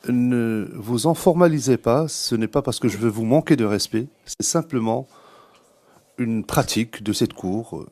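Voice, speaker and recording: A man interpreting formally in a court hearing, speaking carefully with pauses. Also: medium pitch, a little mellow.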